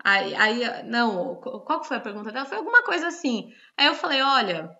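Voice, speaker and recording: A woman's voice: fairly high pitch, very animated, fairly quick, vocal fry, sharp tone, lo-fi sound. A woman teacher with a Brazilian Portuguese accent, explaining grammar rules in an online lesson and checking in with frequent tag questions.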